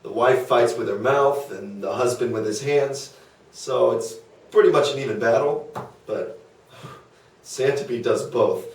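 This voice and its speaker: A man's voice: medium pitch, measured pace, natural voice. Man reading as gossipy Greek fellow, very echoey room. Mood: chatty. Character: chatty gossiping ancient Greek man, admirer of Socrates. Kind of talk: table read of a comedic stage dialogue. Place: small meeting room around a table. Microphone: far camera or table recorder. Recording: very echoey meeting room, distant mic.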